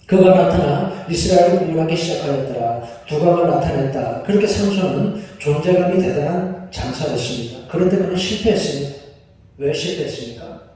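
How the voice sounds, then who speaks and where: A man's voice: a little high, darkish tone, far from the mic. A man preaching a sermon as pastor, in a conversational way, often asking the congregation questions. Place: church sanctuary. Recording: echoey hall, voice picked up from afar.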